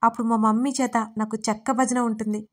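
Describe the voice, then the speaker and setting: A woman's voice: a little high, level tone, fairly quick, lightly acted. A woman voicing a playful, childlike young woman who is dramatic and blurts things out, in a storybook reading.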